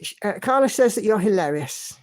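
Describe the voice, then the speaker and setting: A woman's voice: medium pitch, expressive, a little fast. Chatty woman hosting a stream. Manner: chatty and encouraging, hums to herself. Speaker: livestream host. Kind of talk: casual chat reading viewer comments.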